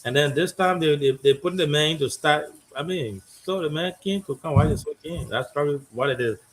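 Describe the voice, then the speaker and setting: A man's voice: fairly high pitch, brisk. A man hosting a political talk show, speaking in a loose, conversational way and thinking aloud as he goes.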